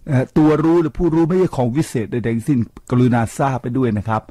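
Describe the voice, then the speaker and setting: An older man talks to his radio listeners in a lively, preachy way, firing rhetorical questions at them. His voice is dark and mellow, and the studio sound is close and dry. He drops English words into his talk. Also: mid-range voice, fast talker, dry recording. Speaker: radio host. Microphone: studio microphone.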